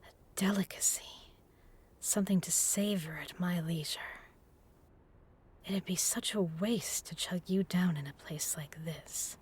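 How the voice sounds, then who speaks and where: Slow, whispery seductive vampire woman, acted out by a woman. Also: on the low side, darkish tone, breathy edge. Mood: hungry, seductive. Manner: teasing, purring, deliberate, often dropping to a whisper. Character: seductive, menacing female vampire predator toying with prey. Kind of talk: intimate hypnotic audio roleplay, slow and breathy.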